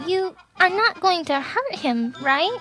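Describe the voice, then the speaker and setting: The cartoonish character voice moves along at a fairly slow pace. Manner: whiny, plaintive.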